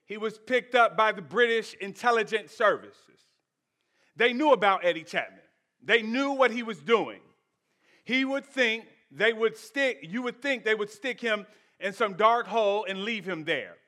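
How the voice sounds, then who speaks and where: A man preaching as a pastor, telling stories in deliberate short phrases with pauses for emphasis. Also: sits high, pushed and bright. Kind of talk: sermon with storytelling.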